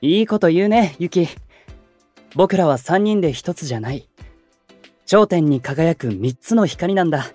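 An actor playing a calm, gentle young male idol who keeps the peace in a Japanese voice drama, speaking politely and with composure. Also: fairly high pitch, unhurried, pauses often, no echo, soft background music. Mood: serene, confident. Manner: soft-spoken, composed, polite and reflective. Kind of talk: Japanese anime-style voice drama acting.

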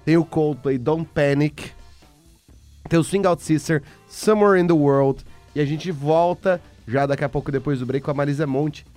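A man's voice: on the high side, normal speed, darkish tone. A Brazilian man on a radio show, casually chatting and laughing as he introduces the music lineup. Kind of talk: casual studio banter.

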